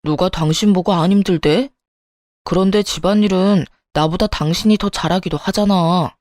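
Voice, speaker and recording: A woman's voice: on the low side, normal speed, a little mellow, no room sound, studio quality, close to an everyday voice. A woman voicing an arrogant doctor husband who talks down to his wife and brushes off her complaints. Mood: nagging. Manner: condescending, nagging, brushing off complaints. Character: arrogant dismissive doctor husband, adult man. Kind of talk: Korean story radio reading.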